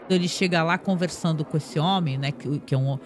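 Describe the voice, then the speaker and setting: A man's voice: a little high, fast. A man hosting a podcast, casually retelling a plot with lots of tag questions and restarts. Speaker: podcast host.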